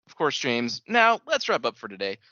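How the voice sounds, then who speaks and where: A man's voice: mid-range voice, huge pitch swings, normal speed, bright, forceful tone, no echo, dull audio. A man reading aloud the scripted part of a compassionate, supportive podcast host.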